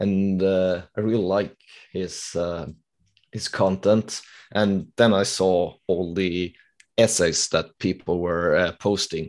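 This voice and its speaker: A man with a Swedish accent speaks very slowly, in a very deep, low pitch. His intonation is flat and monotone, and the background is quiet. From Sweden. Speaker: strength coach. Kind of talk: casual interview. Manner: halting, many fillers.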